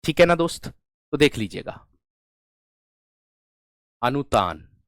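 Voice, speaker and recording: Slow, repetitive male Hindi teacher. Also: medium pitch, big pitch swings, no room sound, studio quality. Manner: slow, drawn-out repetition of words; addresses students as friends. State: has a fever. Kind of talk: online class lecture.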